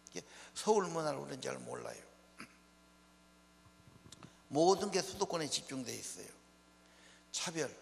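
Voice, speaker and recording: A man's voice: medium pitch, creaky. An older man, preaching a sermon in a folksy way, asking the congregation questions. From Honam region of Korea. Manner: folksy preaching, plain speech mixed with rhetorical questions. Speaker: pastor. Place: church hall. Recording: church hall reverb, mains hum.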